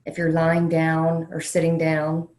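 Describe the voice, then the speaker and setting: Low-voiced woman guiding meditation, roomy echo. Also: monotone, darkish tone. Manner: slow, soothing delivery with long pauses. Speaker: meditation leader, counselor educator. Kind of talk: guided meditation. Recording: roomy, echoey sound.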